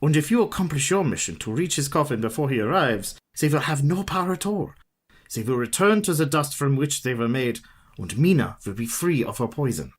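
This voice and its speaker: An actor playing a learned elderly professor who hunts a vampire, speaking in a formal, lecturing, old-fashioned way in a radio play. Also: male voice, mid-range voice, expressive, a little fast, breathy edge. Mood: grave, lecturing. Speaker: mentor leading the hunters. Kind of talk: community radio play acting.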